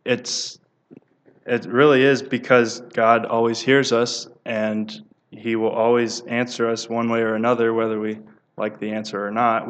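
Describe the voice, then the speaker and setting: A man giving a devotional talk who reads prayer stories aloud at a steady pace, with small stumbles and restarts. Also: fairly low pitch.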